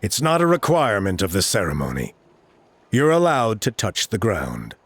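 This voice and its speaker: A man's voice: lowish voice, wildly swooping pitch, normal speed, fairly bright tone, breathy edge, dry recording, heavily acted. A man voicing a composed tribal guide in a video game, patiently explaining the steps of a sacred rite. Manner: patient, explanatory, with a wry chuckle. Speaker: ceremony guide.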